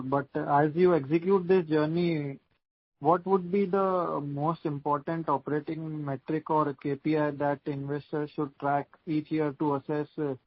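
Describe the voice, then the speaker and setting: A man putting formal, measured investor questions on an earnings call. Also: a little high, dry recording. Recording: dull, dry conference call line.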